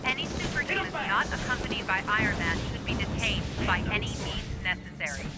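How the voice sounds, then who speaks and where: A woman's voice: medium pitch, animated, fairly quick, close to an everyday voice. A woman playing a stern, authoritative military commander in a video game, making clipped official announcements. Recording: comm channel under loud music.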